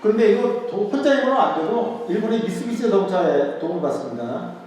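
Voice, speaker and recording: Male lecturer, higher pitch, chatty style that repeats key points, recorded from afar in a reverberant hall with faint noise. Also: expressive, a little fast, darkish tone. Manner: conversational, asks rhetorical questions and repeats key words. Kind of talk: history lecture to an audience. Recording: echoey hall, voice picked up from a distance.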